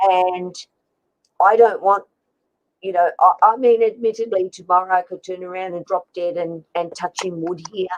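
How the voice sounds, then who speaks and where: With an unremarkable speaking voice, a woman speaks at medium pitch and a moderate pace, her intonation fairly even but her loudness swinging widely. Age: 60s. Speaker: snake keeper and YouTuber. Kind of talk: casual chat.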